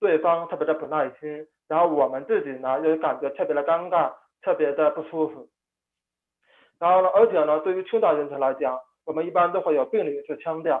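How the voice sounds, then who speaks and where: Fairly high for a man, this male voice keeps a fairly even intonation. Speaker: designer. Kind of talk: presentation. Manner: hesitant, many fillers.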